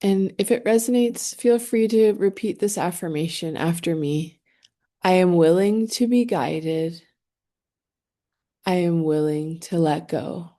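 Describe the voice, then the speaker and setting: Slow, mellow woman guiding a meditation. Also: lowish voice. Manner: gentle, unhurried, with long pauses between phrases. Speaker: guided meditation leader. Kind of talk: guided meditation, slow and soothing narration.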